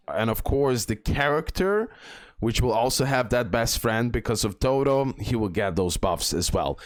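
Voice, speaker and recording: A man's voice: fairly low pitch, no room sound. A man giving casual game commentary as a video host, rambling and repeating words with many fillers.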